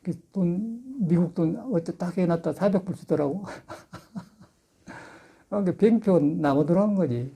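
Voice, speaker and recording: A man's voice: high-pitched, normal speed, creaky, mellow, breathy edge. An older man, a Buddhist monk, giving a folksy Sunday sermon full of anecdotes and laughter. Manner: chatty storytelling with laughter. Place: temple dharma hall.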